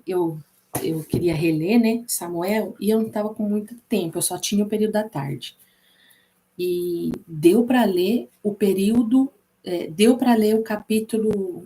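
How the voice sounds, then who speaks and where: A woman's voice: mid-range voice, dark tone. Chatty Brazilian woman teaching Bible. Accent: Brazilian Portuguese. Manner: chatty, repeats herself, many fillers. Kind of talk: informal Bible class.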